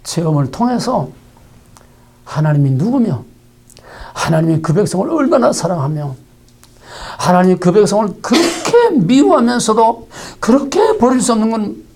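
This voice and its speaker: A man's voice: high voice, very animated, moderate pace, gravelly, a little mellow, a little hiss or hum. A male preacher delivering a sermon with heavy emphasis. He stacks up repeated phrases and throws rhetorical questions at the congregation.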